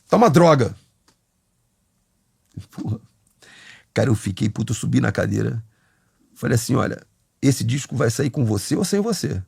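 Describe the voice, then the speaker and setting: A man's voice: mid-range voice, gravelly, breathy edge, dry recording. A man, a recording engineer telling studio stories in a casual interview, acting out the dialogue and swearing freely. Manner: animated, acts out quoted dialogue, swears freely.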